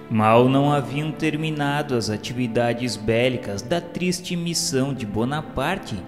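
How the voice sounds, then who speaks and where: A Brazilian man reading scripted narration for a religious radio serial in a solemn, formal, literary manner. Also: mid-range voice. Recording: long hall reverb. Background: music.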